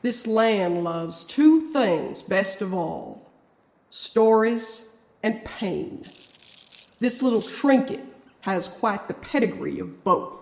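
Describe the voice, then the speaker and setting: Woman playing a slow, echoing cowboy spirit. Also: medium pitch, expressive, gravelly. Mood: ominous, boastful. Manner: drawling, cocky, menacing. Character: folksy, scheming cowboy spirit, a mysterious drifter. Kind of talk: audio drama acting.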